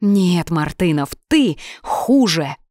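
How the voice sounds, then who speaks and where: A woman voicing a feisty, cheeky young red-haired woman with squeaky, loud retorts in an audiobook. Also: animated, measured pace, no room sound, studio quality, natural voice. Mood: furious.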